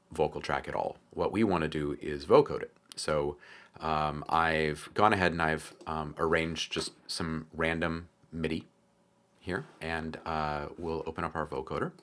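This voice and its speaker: A man hosting a casual software tutorial, explaining things informally with frequent hesitations. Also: extremely low pitch. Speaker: tutorial host.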